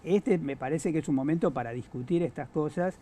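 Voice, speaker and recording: A man with an Argentine accent, giving analysis on a political talk show, halting with many fillers and restarts. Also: fairly high pitch, warm tone. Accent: Argentine Spanish. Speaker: guest analyst.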